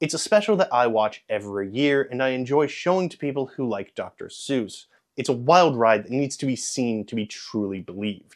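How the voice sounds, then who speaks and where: This man speaks at a fairly quick pace with ordinary pitch variation. The background is quiet. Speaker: video reviewer. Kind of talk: review commentary to camera. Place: home room. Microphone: lapel.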